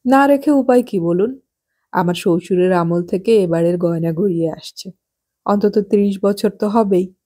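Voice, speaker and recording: A woman voicing a nosy, gossipy well-off married woman in an audiobook, chatty and sharp-tongued. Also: mid-range voice, normal speed, lightly acted. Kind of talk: audiobook character voice.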